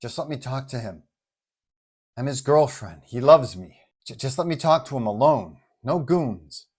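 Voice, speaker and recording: A man's voice: medium pitch, animated, measured pace, darkish tone, slightly rough. A distressed woman, acted out by a male storyteller, protests with urgency. The voice is pleading and earnest, in the manner of storybook superhero drama. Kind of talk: audio storybook dialogue.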